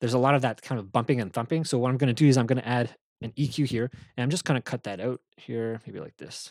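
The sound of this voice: A man talks at a fast pace with vocal fry. His pitch sits in the medium range and varies in an ordinary way.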